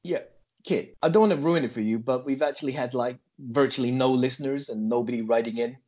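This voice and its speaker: A man putting on an American accent as an earnest, big-dreaming podcaster, deliberate and affected in casual comic banter. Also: medium pitch, a little mellow, close to an everyday voice. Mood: mock-sincere. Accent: put-on American. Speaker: podcast co-host.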